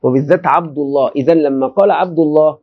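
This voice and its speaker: A man's voice: on the high side, racing, breathy edge, phone-quality sound. A man teaching a religious text in a classroom lecture, often repeating and restating phrases and speaking directly to his students. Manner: addresses listeners directly, often checking understanding.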